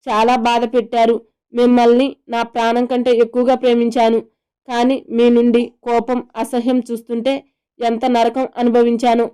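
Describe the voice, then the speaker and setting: A woman's voice: a little high, completely flat delivery, moderate pace, warm tone, smooth, close to an everyday voice. A woman voicing a hurt but fiery young wife in a romantic audio story, speaking with spirit. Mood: heartfelt. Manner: spirited, indignant tone.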